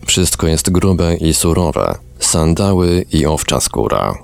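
A man reading the lines of a tired young woman under hypnosis, in slow, subdued, matter-of-fact answers. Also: very deep voice, sing-song, gravelly, no room sound, full character voice. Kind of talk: reading a hypnosis session transcript aloud.

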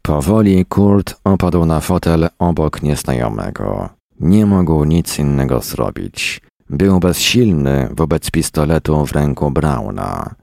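Very deep, slow male narrator. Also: gravelly, dry recording, clean studio sound. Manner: steady, even storytelling. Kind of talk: audiobook reading.

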